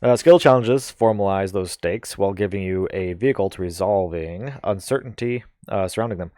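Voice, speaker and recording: Co-host, man, lowish dry voice, halting read. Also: warm tone, no echo. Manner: halting reader, stumbles over sentences. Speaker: podcast co-host. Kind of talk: reading notes aloud in casual chat.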